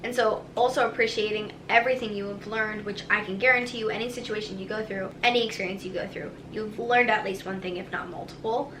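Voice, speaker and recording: A woman's voice: mid-range voice, fairly even intonation, quick pace, hardly any pauses, background noise. A young woman chatting casually as she answers viewer questions, rambling and full of "like". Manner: chatty and rambling, heavy use of "like". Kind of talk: casual Q&A chat.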